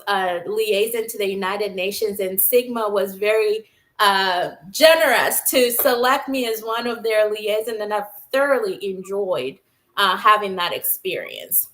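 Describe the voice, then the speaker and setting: A woman's voice: medium pitch, a bit bright, poor audio. A woman from Zambia, a nurse scientist, telling her career story in an earnest, enthusiastic conversational way. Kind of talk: conversational interview.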